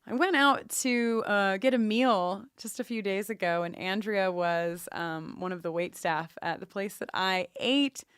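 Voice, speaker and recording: A woman's voice: mid-range voice, unhurried, few pauses, fairly bright tone, clear, resonant tone, no room sound, studio quality. A woman co-hosting a podcast in casual chat and announcements, effusive and given to playfully repeating phrases. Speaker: podcast co-host.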